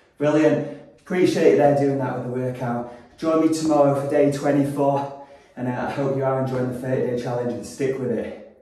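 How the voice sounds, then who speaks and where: In strong room echo, a man talks in a flat monotone with hardly any pauses. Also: fairly quick pace. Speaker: fitness instructor. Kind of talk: workout tutorial talk. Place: gym. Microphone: camera far.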